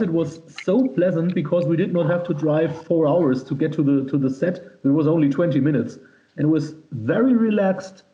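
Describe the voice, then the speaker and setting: Mellow German man, roomy lo-fi sound. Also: a little high. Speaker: musician, power metal singer being interviewed. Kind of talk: casual interview talk, telling anecdotes. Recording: roomy echo, dull lo-fi sound.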